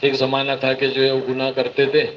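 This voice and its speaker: A man giving an animated, storytelling sermon and mimicking the people in his stories. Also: mid-range voice, normal speed. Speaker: preacher giving a religious talk. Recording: slightly muffled recording with faint hiss.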